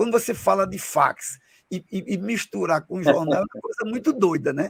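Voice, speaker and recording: The recording of a man's voice is dry and close, with no echo. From Brazil, Natal (Northeast). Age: 60s. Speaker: human rights activist, program host. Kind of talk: casual chat. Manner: halting, many repeated words.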